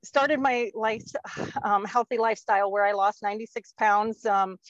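A woman's voice: medium pitch, steady tone, normal speed, no echo. A woman in her fifties chatting casually on a podcast, rambling with lots of fillers and frequent laughs. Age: 50s. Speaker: guest. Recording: dull lo-fi dry sound.

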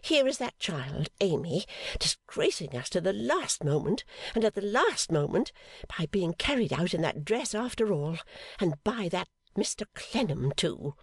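A reader voicing an indignant, snobbish young woman who scolds in long, shrill complaints in an audiobook. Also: very animated, a little slow, breathy edge, no echo, full character voice. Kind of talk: storybook reading.

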